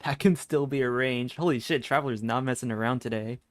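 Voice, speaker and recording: A man giving casual, slangy, sweary commentary as he streams a game playthrough, musing out loud. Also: mid-range voice, fairly quick. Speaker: gaming streamer.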